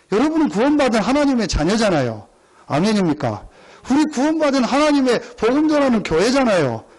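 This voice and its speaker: A middle-aged man preaching a sermon as pastor, emphatic and repetitive, often calling out to the congregation. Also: high-pitched. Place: church sanctuary.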